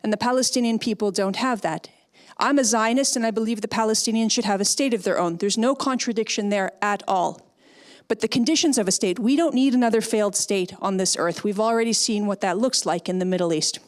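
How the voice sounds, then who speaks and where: A middle-aged woman from Canada speaks to an audience with emphatic conviction, building her points with rhetorical questions. Her pitch sits in the ordinary middle for a woman, and her delivery is firm and persuasive. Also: brisk. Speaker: guest speaker, former speechwriter. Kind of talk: public talk and audience Q&A.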